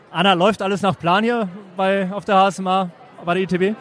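A man from the Stuttgart area hosts a casual podcast chat at a trade fair lounge. His voice sits fairly high for a man, and he jokes along, pausing on plenty of fillers. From Germany, Stuttgart area. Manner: chatty, joking, hesitant fillers. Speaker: podcast host.

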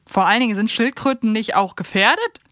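A woman's voice: fairly high pitch, animated, brisk, a bit bright, no room sound, studio quality. A woman co-hosting a podcast in casual, dryly amused conversation. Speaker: podcast co-host. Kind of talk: casual chat.

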